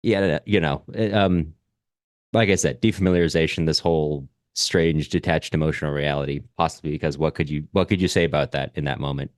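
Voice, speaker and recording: A man co-hosting a reflective literary discussion, speaking in a halting, thoughtful way as he searches for his words. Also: extremely low pitch, dry recording, clean studio sound. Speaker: podcast co-host.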